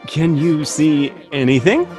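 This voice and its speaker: Effusive, animated young nephew. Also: male voice, fairly high pitch, takes it slowly, music in the background. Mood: delighted welcome. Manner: effusive, welcoming. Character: hospitable younger nephew hosting a Christmas party. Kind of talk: theatrical radio play acting.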